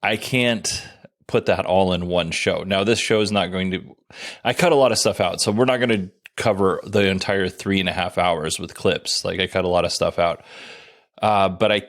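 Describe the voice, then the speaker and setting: A man with a very low voice hosting his own podcast. He talks casually in an even, somewhat monotone way, with dry, self-deprecating humor. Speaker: podcast host. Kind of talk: casual solo podcast commentary.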